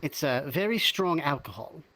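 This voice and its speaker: A roleplayer speaking in character in an improvised conversation, hesitant, halting and polite. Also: mid-range voice, animated, fairly bright tone, no echo. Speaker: roleplayer in a virtual reality game.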